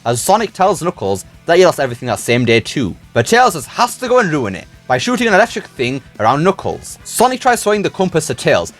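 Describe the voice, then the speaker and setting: A man reading a scripted movie review as a voice-over, slipping into casual, slangy turns of phrase. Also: a little high. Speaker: YouTube film reviewer and host. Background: music.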